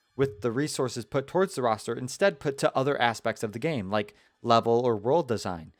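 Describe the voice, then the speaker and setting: Here a man uses an ordinary speaking voice at a fairly quick pace. His intonation is lively. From United States. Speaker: video game commentator. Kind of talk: scripted video commentary. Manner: casual, sarcastic.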